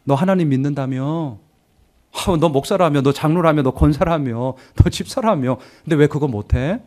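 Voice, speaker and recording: A man voicing a sneering male devil who goads and taunts, pitched higher and louder than his usual speech. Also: moderate pace, close to an everyday voice. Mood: mocking. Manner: taunting, goading.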